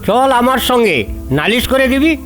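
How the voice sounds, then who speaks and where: High-pitched scheming village householder played by a man. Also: big pitch swings, unhurried, a bit bright, faint music behind, full character voice. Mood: vindictive. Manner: insistent, sly. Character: spiteful scheming middle-aged village householder, pushy younger brother. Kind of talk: dramatised audio storytelling.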